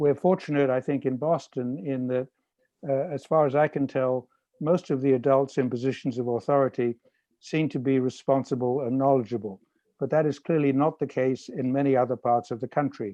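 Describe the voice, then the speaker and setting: A man speaks with a British accent. His pitch is medium and his intonation fairly even. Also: fairly quick pace. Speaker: public commenter, neighborhood association member. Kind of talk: public testimony.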